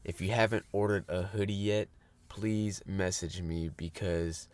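Deep-voiced guy with a stuffy nose, chatty and upbeat, lots of ums. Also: no room sound. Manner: upbeat, rambling with fillers and restarts. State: congested. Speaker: fitness podcast host. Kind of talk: casual podcast monologue.

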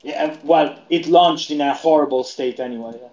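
A man with a slightly raised voice, chatting loosely and often restarting his sentences. His voice carries a clear echo from the room, and the audio sounds dull and lo-fi. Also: fairly high pitch, moderate pace, darkish tone. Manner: rambling, with frequent restarts. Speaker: podcast co-host. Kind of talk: casual gaming chat.

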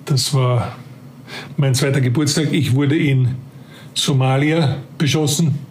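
A man's voice: mid-range voice, fairly even intonation, slow. A man in his fifties with a Carinthian Austrian accent, speaking as an interview guest in a reflective way, often repeating words as he searches for them. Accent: Carinthian Austrian German. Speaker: interview guest, former police officer. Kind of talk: casual interview talk.

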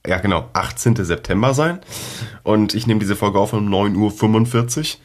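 Teen boy, podcast host, somewhat low voice, sick with a cold, coughing, rambling slangy chat, close mic. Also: normal speed. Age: teens. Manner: rambling, slangy, many fillers. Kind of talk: casual solo podcast chat.

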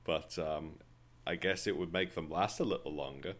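A man's voice: rumbling low, normal speed, fairly bright tone. A man co-hosting a casual news chat, full of playful, sarcastic banter. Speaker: podcast co-host.

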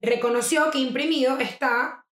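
A woman chatting casually as a podcast co-host, animated and sarcastic, with lots of fillers. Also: high voice, moderate pace. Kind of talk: casual chat. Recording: echoey room.

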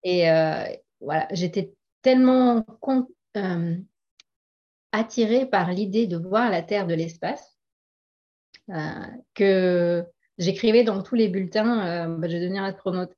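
A woman's voice: lowish voice, moderate pace. A middle-aged woman speaking as a guest in a casual interview, earnest and hesitant, with frequent laughs. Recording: dull lo-fi audio.

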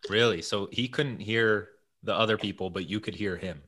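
A man with a very low, bright and forceful voice hosts a podcast from home over a video call. He talks in a loose, rambling way and swears often. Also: normal speed. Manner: casual, swears freely, rambling. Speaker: podcast host. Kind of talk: casual chat. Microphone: headset-style headphone mic over video call.

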